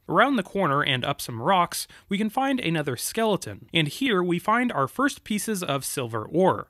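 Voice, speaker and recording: A man reading scripted narration about video game lore, with deliberate, dramatic emphasis. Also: a little high, bright, forceful tone, no room sound, clean studio sound.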